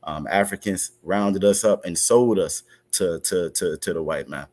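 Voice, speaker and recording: A man teaching an online religious class over a video call, halting, with many fillers and restarts. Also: low-pitched, a little mellow.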